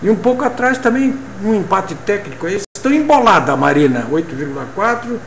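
An older man from Brazil talks politics straight into a webcam from his home office. His fairly high voice swings widely as he chats in an opinionated way. The room is echoey, and a faint air-conditioner hum sits behind him. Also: lively intonation, fairly quick. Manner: chatty, opinionated, frequent tag questions. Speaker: political commentator. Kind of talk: casual political commentary to camera. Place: home office with bookshelf, indoors. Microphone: webcam at desk.

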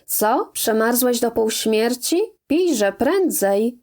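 A stern older country doctor read by a woman narrator scolds in a gruff, reproachful way. His lines come slowly and deliberately in this audiobook reading, with the voice sitting a little high. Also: lively intonation, darkish tone.

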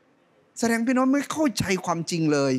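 A middle-aged man preaching a sermon on a church stage into a handheld mic, animated, swinging from loud rising calls to soft low asides. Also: moderate pace. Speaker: pastor.

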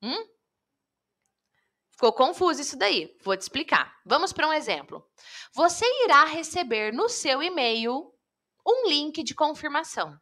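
A woman coach teaching public speaking in a live online lesson, lively and talking straight to viewers. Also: sits high, unhurried. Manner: lively, addresses viewers directly.

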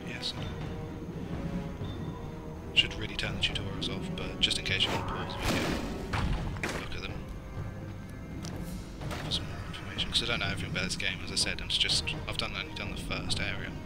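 A man quietly giving casual, offhand commentary while playing a game. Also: low-pitched, level tone, fairly quick, long pauses. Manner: offhand, quiet, a bit mumbled. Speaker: let's play host. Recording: voice over game audio with loud music.

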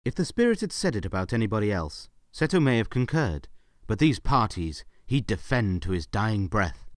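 A man's voice: on the low side, sing-song, normal speed, dry recording, clean studio sound. A man narrating a scripted story for an audio drama.

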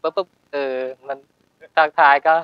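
A man's voice: moderate pace, no room sound, lo-fi sound. An older man, a host, chatting casually and agreeably while recording a talk with a colleague. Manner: chatty, agreeable, backchannels often. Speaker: host and announcer. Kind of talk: casual chat.

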